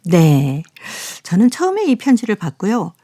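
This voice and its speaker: Mellow woman co-hosting a radio show. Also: mid-range voice, huge pitch swings, unhurried, no echo. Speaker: radio co-host. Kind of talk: casual studio chat, responding to letters.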